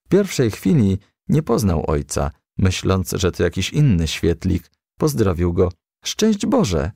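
A man narrating a children's storybook as a gentle, lively storyteller. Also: deep voice, a little slow, creaky, dry recording, studio quality.

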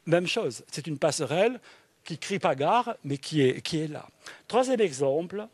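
A man's voice: fairly high pitch, expressive, a little slow, husky, no room sound. A man giving a literature lecture in an enthusiastic way, reading passages aloud and often saying "alors" and "hein". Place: public library event.

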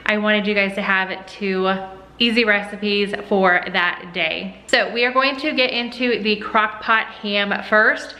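A young woman talks through easy recipes in a chatty, upbeat way, calling her viewers y'all and guys. Her voice is bright and clear, recorded close to the camera in a home kitchen. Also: mid-range voice, steady tone, measured pace. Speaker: cooking vlogger. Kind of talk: casual cooking vlog. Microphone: camera at close range.

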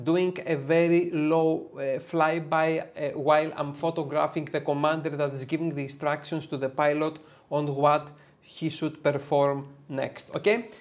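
Man, 30s, Greek accent, slightly high voice, lively step-by-step explaining, lapel mic, home studio. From Greece. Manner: lively, chatty, explains step by step with filler uhs. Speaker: photo editing tutor. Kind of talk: screen-recorded software tutorial. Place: dim home studio, indoors.

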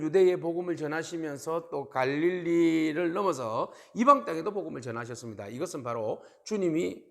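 Lively gravelly-voiced male preacher. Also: a little high. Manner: animated, emphatic storytelling. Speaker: pastor. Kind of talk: sermon.

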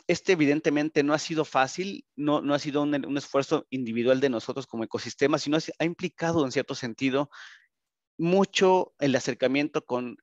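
A man with a Mexican Spanish accent giving a conference presentation over a video call, speaking haltingly with frequent tag questions. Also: fairly high pitch, no echo. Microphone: video call, computer microphone. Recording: dull, lo-fi video call audio.

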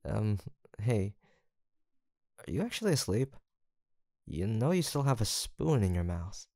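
Man acting as a low, gravelly, gentle young roommate. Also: very animated, unhurried, no echo, clean studio sound, heavily acted. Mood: gentle, tender. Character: gentle, teasing young male college roommate with a crush. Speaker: voice actor in roleplay audio. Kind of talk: intimate boyfriend-style roleplay acting, one-sided conversation.

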